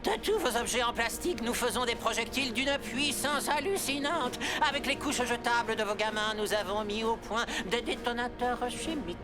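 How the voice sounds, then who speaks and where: A woman's voice: a little high, moderate pace, hardly any pauses, lightly acted. A woman in a French cartoon dub voicing a grandiose alien villain with a pompous, theatrical, menacing manner. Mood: gloating. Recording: loud music behind the voice.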